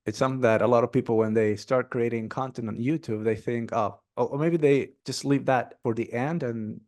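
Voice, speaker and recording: A man's voice: mid-range voice, fairly even intonation, fairly quick, darkish tone. Upbeat male podcast host. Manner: upbeat, enthusiastic, filler "like" and "you know". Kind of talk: casual interview hosting.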